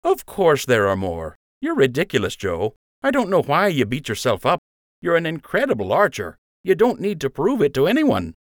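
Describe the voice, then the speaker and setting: A man's voice: fairly high pitch, wildly swooping pitch, normal speed, no room sound, studio quality, voice pushed up. A man voicing a teasing young rabbit buddy. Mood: cheeky. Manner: wry, smirking, playful teasing. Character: teasing young male rabbit, joking loyal friend. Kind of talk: audiobook character voice.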